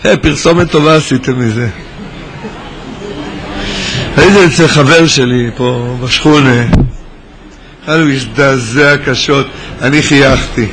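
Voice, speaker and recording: A man's voice: medium pitch, pauses often, noisy background. A man mentoring students at a Hasidic gathering, teasing and joking as he calls out to people in the crowd. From Israel. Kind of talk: lively gathering talk to students. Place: large synagogue hall at a gathering.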